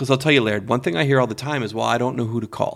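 A man with a Canadian accent speaks with ordinary pitch variation. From Canada. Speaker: podcast host and real estate coach. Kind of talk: casual chat, lively banter. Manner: animated, excitable, fast; loud, expressive.

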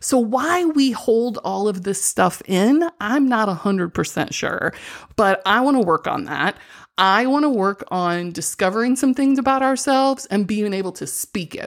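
Pitch swings very widely at a moderate pace, on a very clean recording with a silent background. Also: woman, fairly high pitch for a woman. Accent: American. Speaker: podcast host and college professor. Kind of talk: casual monologue. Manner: conversational, many fillers.

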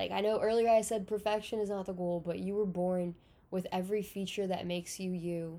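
A woman's voice with a dark, mellow tone. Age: 20s. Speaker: podcast host. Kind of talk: solo monologue. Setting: at home on her bed. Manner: casual, filler-heavy.

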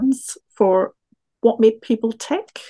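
In a Northern Irish accent, a woman talks at a fairly slow pace, recorded with a dry, close sound and no echo. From Northern Ireland. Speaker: historian, needlework scholar. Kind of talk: interview, informative explanation.

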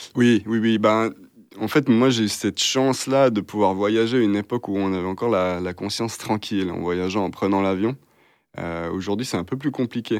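A man speaks at a moderate pace and a fairly low pitch, with ordinary pitch variation. The recording is very clean, with a silent background. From French-speaking Switzerland, near Nyon (Vaud). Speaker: filmmaker and snowboarder. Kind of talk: interview. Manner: hesitant, frequent fillers.

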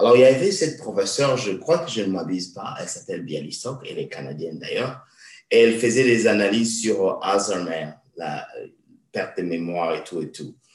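Over audible room echo, a man speaks at a moderate pace and medium pitch, with vocal fry. His pitch swings very widely and his loudness rises and falls sharply. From Congo. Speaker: podcast host and political science lecturer. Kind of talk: casual chat.

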